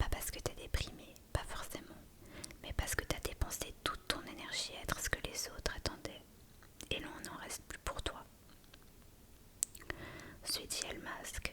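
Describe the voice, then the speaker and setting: Someone whispers in a gentle, soothing tone at a moderate pace, with long, frequent pauses. Noticeable background noise is present. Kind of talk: ASMR whispered talk. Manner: whispered.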